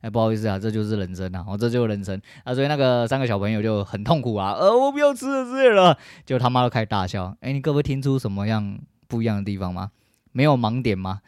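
A man's voice: on the low side, fast, darkish tone, clean tone, no echo, clean studio sound. A man hosting a podcast solo, rambling along in a laid-back, profane monologue. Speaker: podcast host. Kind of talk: casual monologue.

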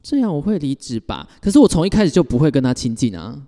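A man with a mid-pitched, mellow voice that swings widely in pitch reacts bluntly, with mild swearing, to his co-host's story. His words ring with a long reverb. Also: very animated, fast. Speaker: podcast co-host. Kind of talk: casual chat.

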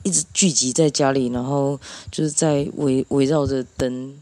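A speaker with a Taiwanese Mandarin accent chatting casually and reflectively, pausing to find words and dropping in English. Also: medium pitch, fairly even intonation, dark tone, dry recording. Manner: halting, mixes in English words.

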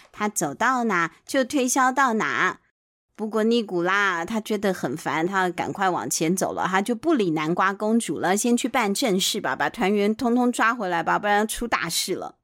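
A woman with a Taiwanese Mandarin accent, hosting and narrating children's bedtime stories in an expressive, chatty way with explanatory asides. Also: mid-range voice, normal speed, dry recording. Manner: expressive, chatty explaining with sentence-end particles. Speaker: podcast host and storyteller, a mother.

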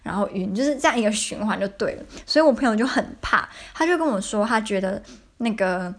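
A woman's voice: medium pitch, lively intonation, a little fast. A young woman with a Taiwanese Mandarin accent, telling a personal story in a casual, chatty podcast style, full of fillers and repeats. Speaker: podcast host.

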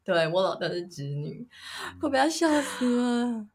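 A woman's voice: on the high side, big pitch swings, a little slow. A woman co-hosting a casual chat podcast, a teasing storyteller who often bursts into laughter. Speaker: podcast co-host.

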